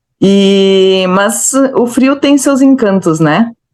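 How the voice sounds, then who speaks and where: Speaking very slowly with a strong gaúcho accent, a woman at a medium pitch keeps her intonation lively. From southern Brazil, Rio Grande do Sul (Uruguay border). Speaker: psychologist. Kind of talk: interview.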